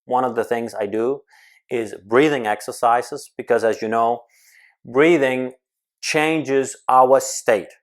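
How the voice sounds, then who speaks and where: Energetic man coaching on speaking. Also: mid-range voice, slow. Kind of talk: advice talk to camera.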